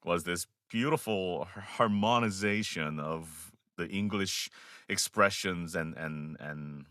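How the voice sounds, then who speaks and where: A man with a Korean accent, a voice actor giving measured, thoughtful interview answers with frequent pauses and restarts. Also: deep voice, sharp tone, no echo, clean studio sound. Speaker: voice actor guest.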